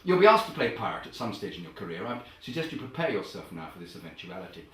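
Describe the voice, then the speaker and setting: Man as a grandiose acting coach, bright theatrical delivery, distant echoey sound. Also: sits low, big pitch swings, fast talker. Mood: pompous. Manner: theatrical, grandly enunciated, sudden loud outbursts. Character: pompous, self-important male acting coach. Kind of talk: comedy character sketch. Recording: very echoey, far from the mic.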